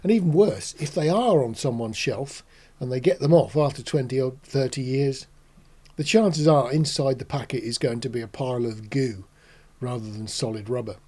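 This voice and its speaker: Mellow older man, reflective talk. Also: medium pitch, normal speed, breathy edge. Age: 60s. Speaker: host. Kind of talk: casual explanatory talk to camera. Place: small indoor studio.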